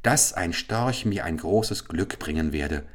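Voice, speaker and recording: A man's voice: low voice, lively intonation, slow pace, exaggerated voice. A man voicing a sorrowful enchanted owl princess in a fairy-tale audiobook, his voice raised and pleading. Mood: plaintive.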